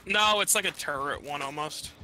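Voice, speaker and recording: A man joining a live stream chat, excitable and quick to laugh. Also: on the high side, background noise. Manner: excitable, giggly. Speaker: stream guest. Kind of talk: casual chat.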